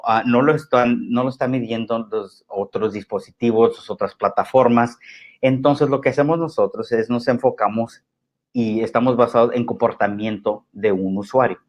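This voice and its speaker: Halting Mexican man, low voice. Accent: Mexican Spanish. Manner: halting, many fillers and restarts. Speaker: guest security expert. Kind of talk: webinar talk.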